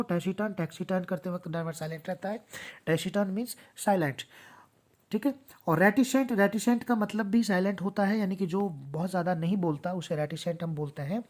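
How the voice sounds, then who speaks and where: Woman teacher going over again and again, slightly low voice, terms. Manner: repeats each word and its meaning, patient. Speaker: vocabulary teacher. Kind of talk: explanatory lesson with repetition.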